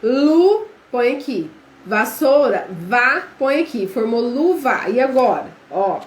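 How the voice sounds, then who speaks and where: A Brazilian woman teaches a live online class in a slightly high, very animated voice at a slow pace, with a Brazilian Portuguese accent. Chatty, she calls her viewers "gente" and quizzes them. The room is echoey, with faint background noise.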